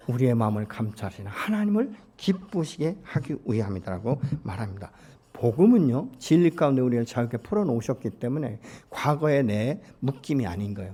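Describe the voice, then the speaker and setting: A man's voice: mid-range voice, warm tone, husky. A man preaching a Sunday sermon as senior pastor, asking the congregation questions and voicing God's encouraging words. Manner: voices God's encouraging words in quoted asides. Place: church sanctuary.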